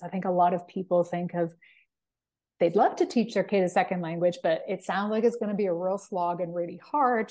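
Enthusiastic woman founder as interview guest; voice a bit croaky, talk full of restarts. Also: mid-range voice, mellow. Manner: enthusiastic, with frequent restarts and fillers. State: slightly croaky voice. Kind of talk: interview conversation.

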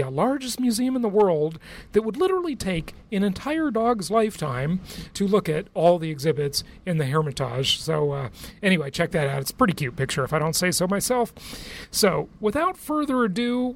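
A man hosting a podcast, telling a travel story in a chatty way, laughing often, then interviewing a guest. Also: high voice. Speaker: podcast host. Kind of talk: casual monologue and interview. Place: aboard a cruise ship.

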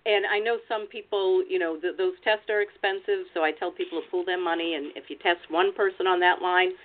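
A woman's voice: lowish voice, steady tone, brisk. An American woman presenting as a genealogy researcher, giving practical advice in an explanatory webinar talk over a video call. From United States. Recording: tinny phone-like online call audio.

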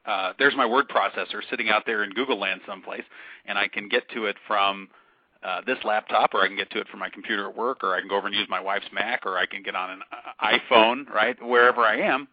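A man with a fairly low voice talks through science news in a thoughtful, explaining way, often circling back to restart a phrase. His voice sounds dull and lo-fi, with a dry, close, roomless sound. It comes across as a casual podcast chat. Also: fairly even intonation, fast talker, no echo. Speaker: podcast co-host. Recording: dull lo-fi call audio.

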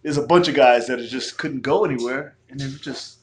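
A man hosting a podcast on a club stage, talking loudly in casual banter, full of stammered restarts. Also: mid-range voice, a little fast, slight background noise. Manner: loud, rambling, stammering restarts. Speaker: podcast host. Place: small comedy club stage.

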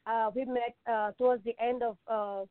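A woman with a Nigerian accent, speaking as a guest in a joyful, prayerful manner and laughing easily. Her voice is a little high. The call sounds dry and tinny, with the narrow sound of a phone. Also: flat delivery, normal speed, no echo. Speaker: guest, pastor's wife and author. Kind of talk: interview answers.

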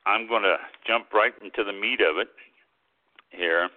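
Wine show host on a landline phone line, deep voice, tinny and narrow, halting delivery with lots of "uh"s. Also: male voice. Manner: halting, many "uh" fillers while reading. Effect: heard over a landline phone. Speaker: winemaker hosting a wine radio talk show. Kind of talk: casual radio talk, reading announcements.

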